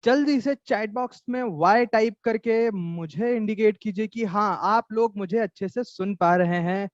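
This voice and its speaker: A man's voice: high-pitched, moderate pace, dry recording, muffled recording. A man hosting a live online session, politely coaxing participants and addressing them as sir.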